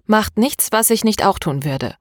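A woman's voice: medium pitch, animated, unhurried, no room sound, clean studio sound, pitched above the performer's own voice. A woman reading the lines of a tense, defensive young woman in an audiobook, answering in clipped, irritated replies.

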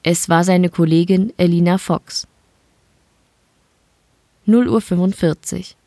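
A woman from Bavaria narrating an audiobook in a steady, measured storytelling manner. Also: fairly low pitch, dry recording, clean studio sound. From Bavaria, Germany. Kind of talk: scripted narration.

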